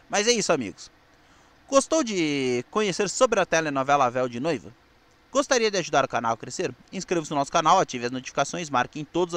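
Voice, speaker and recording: A Brazilian man presenting his video channel in an old newsreel announcer style, enunciating deliberately. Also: a little high, a bit bright. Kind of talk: nostalgic radio-newsreel style video narration with scripted sign-off.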